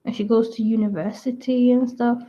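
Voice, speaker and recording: Young adult woman, higher voice, croaky at times, meandering casual chat, dull lo-fi recording. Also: steady tone, moderate pace. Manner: meandering, full of "like" and restarts. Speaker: vlogger. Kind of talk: rambling casual chat to camera. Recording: dull lo-fi sound.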